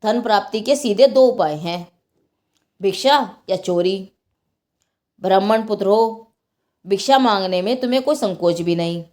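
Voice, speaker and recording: A woman's voice: medium pitch, a little slow, long pauses, a little mellow, natural voice. A woman voicing a practical, persuasive maidservant in a told story, coaxing and matter-of-fact. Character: practical, persuasive young maidservant giving advice.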